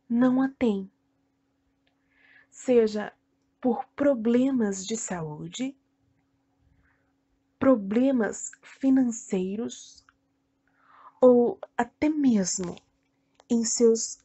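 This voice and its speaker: A Brazilian woman leading a guided meditation in a soothing, deliberate way, speaking in short phrases with long pauses. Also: a little high, mellow, slightly rough. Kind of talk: guided meditation, self-hypnosis narration.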